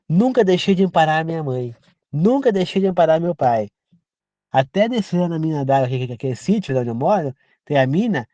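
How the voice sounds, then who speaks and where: A man's voice: sits high, dark tone, no echo. A man from Brazil giving an informal sermon, earnest and repetitive, often turning to the listener with direct questions. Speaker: preacher. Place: rural home.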